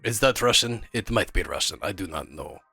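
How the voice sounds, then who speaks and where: Playful man with a lively voice. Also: low voice, a little fast, vocal fry, breathy edge, faint music behind. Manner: playful, chatty, jokey asides. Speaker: streamer. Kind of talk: casual game stream, reading story aloud.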